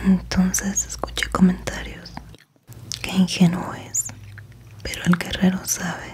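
A woman is whispering. Her pace is very slow. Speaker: streamer reading a book aloud. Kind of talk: book reading and casual stream chat. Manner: soft-spoken ASMR reading voice.

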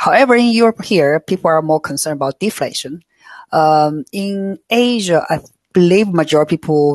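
A woman with a Chinese accent and lively intonation, in a dry sound with no echo against a quiet background. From China. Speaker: audience member. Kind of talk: audience question. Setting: video call. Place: home room. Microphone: video call.

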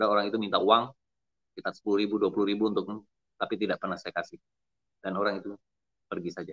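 A man with a fairly low voice talks very fast in a flat monotone, leaving long, frequent pauses. The background is quiet. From Indonesia, Bogor; Indonesia. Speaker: dentist sharing conversion testimony; guest. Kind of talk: testimony. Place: home room. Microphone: video call.

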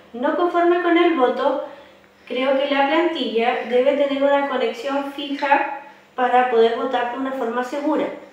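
A woman with a Chilean accent speaks in a high pitch with fairly even intonation at a fairly slow pace, surrounded by strong room echo. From southern Chile. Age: 30s. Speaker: campaign participant. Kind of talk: advocacy statement to camera.

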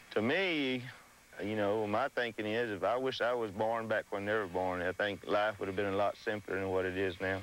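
Someone with an American accent speaks at a moderate pace with fairly even intonation. The sound is dry with no echo, and light background noise is present. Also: man, fairly low pitch for a man. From South Texas. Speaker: ranch hand. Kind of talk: interview testimony. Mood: reflective, nostalgic. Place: farm machine.

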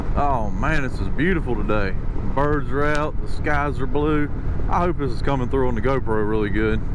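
In a dry recording with no echo but noticeable background noise, a man speaks at a moderate pace with ordinary pitch variation and very even loudness. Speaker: motovlogger. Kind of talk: casual vlog chat. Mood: cheerful, relaxed. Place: motorbike. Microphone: helmet.

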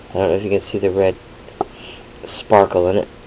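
A man talks with an American accent against noticeable background noise. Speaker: craft video maker. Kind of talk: casual chat; crafting tutorial and show-and-tell. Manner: halting, many fillers.

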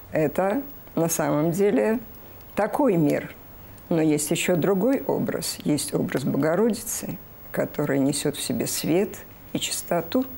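A woman at a fairly low pitch, fairly slow and very even in loudness, with very wide pitch swings and long, frequent pauses. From Belarus. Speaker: painter; guest. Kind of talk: interview. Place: studio.

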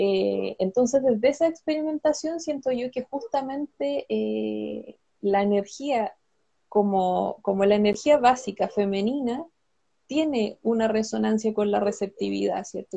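Against a quiet background, a somewhat breathy voice with a dark, mellow tone moves at a fairly slow pace with lively intonation. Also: woman. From southern Chile (Wallmapu); southern Chile. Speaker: ayurveda practitioner / women's health guide; women's health guide. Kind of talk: interview on a live stream. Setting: video call. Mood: reflective, warm. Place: home room. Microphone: video call.

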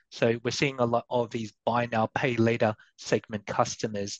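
Against a quiet background, a man with an Australian accent speaks with fairly even intonation in a dry sound with no echo. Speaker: data strategy specialist in financial services. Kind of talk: conversational interview. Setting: video call. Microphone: headset.

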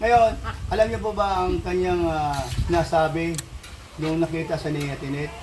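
A man with a high pitch speaks at a moderate pace with ordinary pitch variation. The recording has audible room echo and noticeable background noise. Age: 60s. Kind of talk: casual chat.

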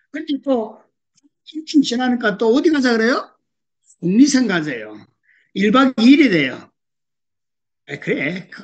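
Against a quiet background, a man with an extremely high pitch and lively intonation speaks at a fairly slow pace, leaving long, frequent pauses. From China (ethnic Korean, Joseonjok). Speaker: network marketing distributor. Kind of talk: motivational testimony seminar talk. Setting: video call. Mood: warm, smiling. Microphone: video call.

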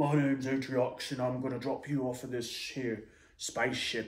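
Using a put-on character voice, a man delivers a menacing tone at a medium pitch with monotone, flat intonation. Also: moderate pace. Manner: menacing, boastful.

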